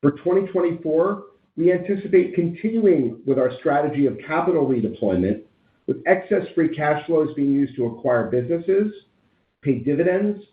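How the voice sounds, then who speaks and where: Higher-voiced man on an echoey phone line. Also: lively intonation, normal speed. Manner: formal, businesslike reading of figures. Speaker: company finance chief. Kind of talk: scripted financial results presentation. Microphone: conference call phone line.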